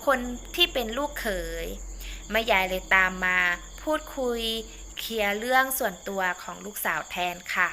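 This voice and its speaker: Bright-voiced woman storyteller. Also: medium pitch, a little hiss or hum. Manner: polite, measured, ends sentences with polite particle. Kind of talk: scripted narration of a short story.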